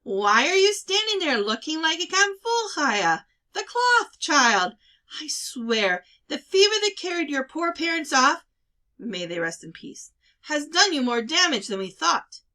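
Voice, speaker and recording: A woman's voice: high-pitched, very animated, bright, forceful tone, pitched above the performer's own voice, full character voice. A woman voicing a bossy, exasperated older sister from a village in a storybook reading. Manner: brisk, exasperated, commanding. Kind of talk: children's novel read-aloud.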